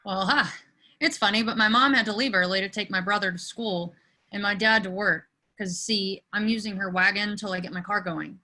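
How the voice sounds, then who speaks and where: A woman's voice: medium pitch, fairly quick, sharp tone, lightly acted, low-quality recording. A woman playing a nervous, lovesick teenage boy in a comedy table read, with a hesitant, stammering manner. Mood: flustered.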